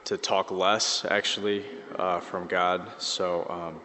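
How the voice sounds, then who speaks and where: A slightly hoarse man giving a casual, conversational sermon as a priest, with many fillers and restarts. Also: low-pitched, level tone, slow pace, bright, forceful tone, slight background noise. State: slightly hoarse, losing his voice. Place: church. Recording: church mic with long reverb.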